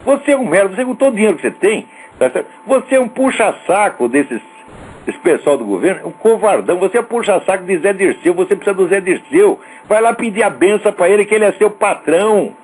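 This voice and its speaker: A man's voice: sits high, sing-song, fast, a little mellow, slightly rough, poor audio. A male radio host with a Brazilian accent, ranting in a scornful, profane and sarcastic monologue. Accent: Brazilian Portuguese.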